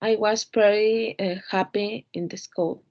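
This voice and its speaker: A woman student answering English exercises hesitantly, with pauses and fillers. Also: medium pitch, fairly even intonation, a little mellow, dry recording, lo-fi sound.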